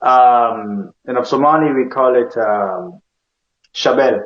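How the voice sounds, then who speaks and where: A man's voice: mid-range voice, slow pace. A man from Kenya with an East African accent hosting a casual word-by-word language chat, asking questions and repeating words back. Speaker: host comparing vocabulary with a guest. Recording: echoey room, slightly dull lo-fi sound.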